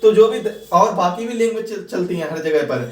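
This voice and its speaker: Here a high-voiced man teaches exam students a little quickly, going over each point again in new words, one step at a time, and slipping in English terms. He's far from the microphone, with a roomy echo around him.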